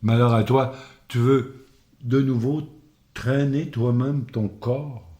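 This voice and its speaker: A man voicing an old male hermit saint in the forest, reading slowly and gravely. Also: medium pitch, fairly even intonation, mellow, natural voice. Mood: solemn. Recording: roomy echo.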